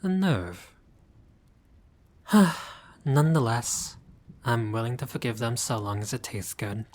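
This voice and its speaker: A man's voice: mid-range voice, animated, takes it slowly, a little mellow, slight background noise. A man playing a haughty but friendly vampire lord in a roleplay audio, speaking in a formal, fussy, politely pompous way. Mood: indignant, fussy. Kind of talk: scripted roleplay audio addressed to the listener.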